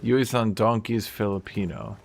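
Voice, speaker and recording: A man's voice: on the low side, moderate pace, gravelly, over music. A man streaming a game, chatting casually and rambling to his viewers. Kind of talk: casual chat while gaming.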